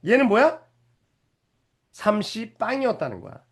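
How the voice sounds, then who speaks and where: A male math teacher giving a lively lecture, explaining step by step and often stopping to ask whether the students are following. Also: high voice, unhurried, breathy edge. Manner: animated, keeps checking if students follow; explains step by step with rhetorical questions.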